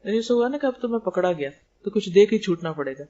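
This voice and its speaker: Female religious teacher, mellow tone, lecturing, lo-fi dull recording. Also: medium pitch, expressive. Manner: explains terms, asks rhetorical questions. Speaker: Islamic teacher.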